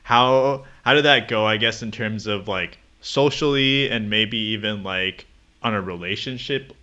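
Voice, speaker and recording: A man's voice: lowish voice, unhurried, pushed and bright, smooth, highs cut off. A man hosting a podcast, asking questions casually with many hedging fillers. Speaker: podcast host.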